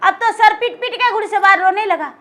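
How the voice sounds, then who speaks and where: High, bright Magahi woman storyteller. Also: normal speed. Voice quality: lively, dramatic narration addressing listeners as brothers and sisters. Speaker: folk storyteller. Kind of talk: devotional folk storytelling.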